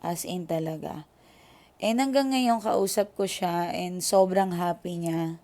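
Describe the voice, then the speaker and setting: Tarot reader host, Filipino woman, unhurried and low-pitched, talks like she's sharing gossip with viewers. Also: mellow. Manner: emotional, chatty, switches between Tagalog and English. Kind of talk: casual storytelling to viewers.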